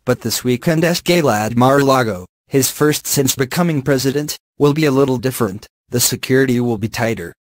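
Flat-voiced male news reader, dry sound. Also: mid-range voice, a little fast, few pauses, no echo. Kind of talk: read-aloud news article.

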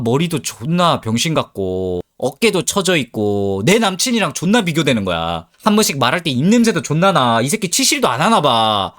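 A man telling a comedic dating story, acting out both sides and swearing freely as he goes. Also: on the high side. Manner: animated, acts out both sides with crude slang. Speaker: storyteller host.

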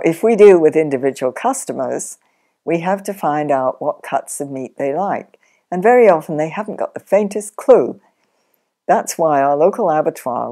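An older woman sheep farmer, chatty and practical, explaining her farm work step by step in a relaxed interview at home. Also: deep voice. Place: sunlit living room, in an armchair.

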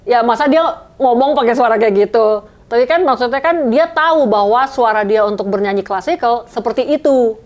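A woman guest in a casual conversation, relaxed and easygoing, sprinkling English phrases into her talk. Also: on the high side, brisk, hardly any pauses. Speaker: guest singer and vocal coach.

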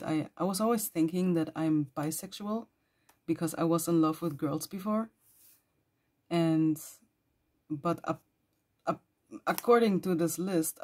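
A woman with a hoarse, worn voice who is losing it, chatting casually while flipping through her journal and clearing her throat often. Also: on the low side, a little mellow. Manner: rambling, chatty with small laughs and throat clearing. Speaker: journal vlogger.

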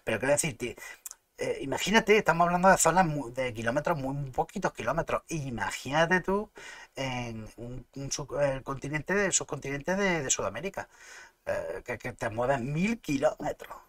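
A man's voice: mid-range voice, expressive, moderate pace, a bit bright, dry recording. A man with an Andalusian Spanish accent, streaming and chatting casually, arguing his points emphatically and restarting words mid-flow. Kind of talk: casual live-stream chat.

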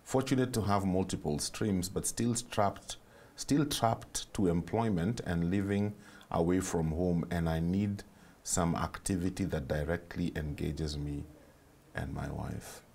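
A man's voice: sits low, unhurried, gravelly, slightly rough. A middle-aged man with a Kenyan accent, chatting casually and animatedly as a studio interview host. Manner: animated, switches between English and Swahili. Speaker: TV show host.

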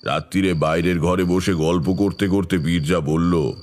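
A brooding tantric storyteller with an extremely low voice over music. He tells a horror audio drama in a grave, measured manner, like a caring friend with dark knowledge. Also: fairly even intonation. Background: background music.

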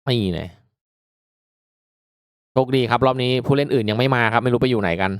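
A man giving casual, reactive commentary as he hosts a mobile game playthrough, chatting politely to viewers with excitable exclamations. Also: medium pitch, brisk, dry recording, clean studio sound. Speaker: gaming video host.

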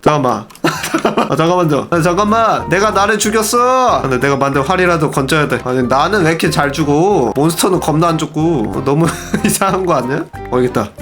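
A young man giving excited, playful gaming commentary, often shouting and laughing. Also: a little high, brisk, soft background music. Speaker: gaming YouTuber.

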